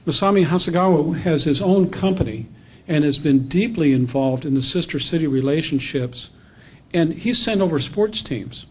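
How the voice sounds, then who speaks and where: A man's voice: on the high side, expressive, moderate pace, husky. A man introducing the guest speaker at a business luncheon, praising him with enthusiasm. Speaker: event presenter introducing the speaker. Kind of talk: formal introduction. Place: luncheon event room.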